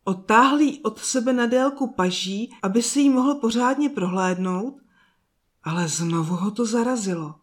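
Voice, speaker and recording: A woman narrating a fairy tale in a slow, soft storytelling manner with drawn-out pauses. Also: a little high.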